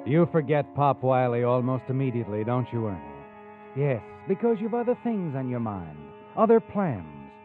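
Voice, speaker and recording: Man playing a sinister, animated radio crime narrator. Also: medium pitch, normal speed, natural voice. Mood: knowing, taunting. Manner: theatrical, ominous, knowing. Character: sinister all-knowing male narrator of crime tales, taunting. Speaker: host and narrator. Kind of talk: 1940s radio suspense narration. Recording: tinny vintage radio recording, music behind.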